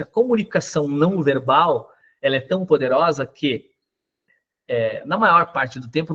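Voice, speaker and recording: A man teaching a class on body language, explaining step by step with lists of examples and quick checks with his listeners. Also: fairly high pitch, highs cut off. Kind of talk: recorded class lecture.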